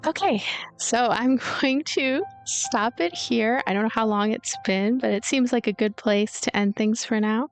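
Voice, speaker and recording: Higher-voiced woman reading a game aloud. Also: measured pace. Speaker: let's play host and narrator. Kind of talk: visual novel read-aloud with casual commentary. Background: game music.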